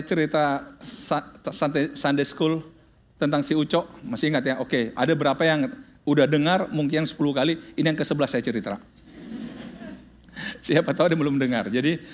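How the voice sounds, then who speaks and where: A male pastor preaching a sermon, telling humorous stories and addressing the congregation directly. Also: fairly high pitch.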